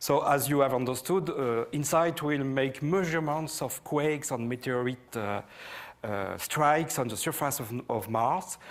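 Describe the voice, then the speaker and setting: A very clean recording with a silent background captures a man with a French accent, medium pitch and ordinary pitch variation. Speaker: space project manager. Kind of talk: science briefing.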